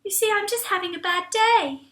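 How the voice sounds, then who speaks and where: A woman's voice: very high-pitched, a little fast, fairly bright tone, roomy sound, voice pushed up. A woman voicing a small, sad young female fish who stammers and hesitates. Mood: hurt, hesitant.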